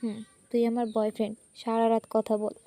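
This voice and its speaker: A woman voicing a hot-tempered, snappy young female college student in a read-aloud story, her voice high. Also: monotone, normal speed, mellow, no echo, natural voice. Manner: scolding, snappy.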